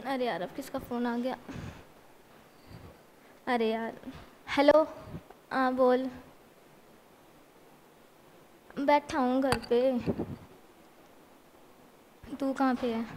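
A woman's voice: high-pitched, unhurried, pauses often, a little hiss or hum, voice pushed up. A girl doing a whiny sulky teenage boy. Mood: casual. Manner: whiny, complaining.

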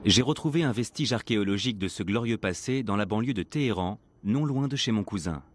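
A man narrating a documentary as its presenter, in a measured, earnest storytelling manner. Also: fairly low pitch, animated, a little hiss or hum. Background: background music.

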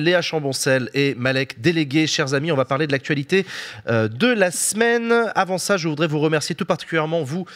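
A man hosting a political talk show in a studio, lively and pausing often on fillers. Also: fairly high pitch. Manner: lively, many filler pauses. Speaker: host. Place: TV-style studio set with audience.

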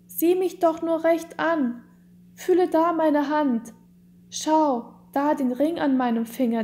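A woman's voice: sits high, warm tone, voice pushed up. A woman voicing a frail, devoted wife in a storybook, speaking tenderly and tearfully with earnest pleading. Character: frail, devoted wronged wife, gentle and forgiving. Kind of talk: dramatic storybook reading.

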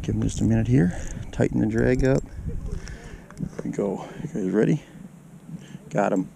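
Gravelly low-voiced man on windy ice. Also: moderate pace. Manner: chatty, talks to viewers as "you guys". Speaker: ice fishing vlogger. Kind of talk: casual play-by-play commentary. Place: outdoors on a frozen lake. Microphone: body-mounted action camera. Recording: outdoor wind noise on the mic.

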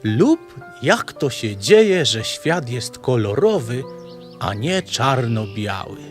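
Man playing a slow, swooping, lecturing professor. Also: medium pitch, big pitch swings, soft background music. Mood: enthusiastic, lecturing. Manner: emphatic, deliberate lecturing. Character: male professor animal, enthusiastic learned neighbour, pompous. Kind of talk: children's audio play acting.

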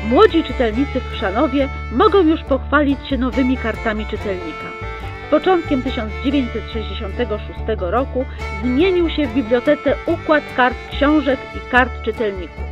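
High-voiced woman doing old-newsreel narration. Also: dull audio. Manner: brisk upbeat newsreel announcer delivery. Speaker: chronicle narrator. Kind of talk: mock 1960s newsreel narration. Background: plucked guitar music.

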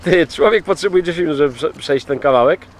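A man's voice: a little high, quick pace. A man chatting casually outdoors on a boat while fishing, swearing freely and cooing affectionately at his dog. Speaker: vlogger.

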